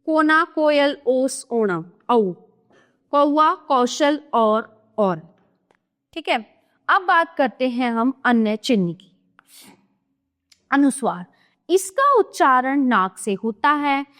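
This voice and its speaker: A woman's voice: high voice, lively intonation, slow, long pauses, fairly bright tone. A woman teaching a grammar lesson, spelling out examples one by one and checking in with the listener as she explains.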